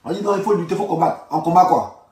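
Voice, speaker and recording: Here a man speaks quickly in a high, slightly mellow voice, his Ivorian accent clear as he delivers casual political commentary full of colloquialisms and repeated phrases for emphasis. He is recorded in an echoey room, far from the mic.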